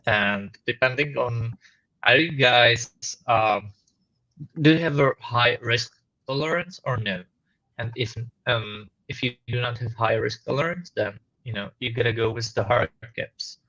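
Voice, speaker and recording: A man chats casually on a live panel, explaining things in plain, upbeat terms. His voice is bright and forceful. The call sound is dull and muffled, as if it came through a wall. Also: mid-range voice, unhurried, no room sound. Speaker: panelist on a live market show. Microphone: remote call away from home.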